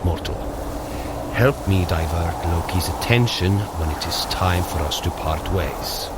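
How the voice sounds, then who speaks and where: An actor playing a hearty, loyal Norse thunder god in an audio drama, speaking in an earnest, formal, theatrical way. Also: male voice, sits low, unhurried. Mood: grave, confiding. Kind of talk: audio drama acting, archaic formal speech. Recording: clearly noisy outdoor ambience behind.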